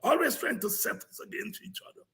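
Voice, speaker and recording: Here a Guyanese-accented programme host gives a fiery, informal talk on history, hammering points through repetition and combative emphasis. His voice is raspy and gravelly, his pace fairly quick and his tone fairly bright.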